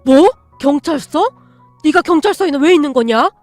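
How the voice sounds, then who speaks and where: A woman's voice: sits high, a little fast, no echo, soft background music, lightly acted. Woman voicing a protective male teacher. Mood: alarmed. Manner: earnest, raising voice in defense. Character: devoted male teacher, quiet but protective. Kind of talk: radio story reading.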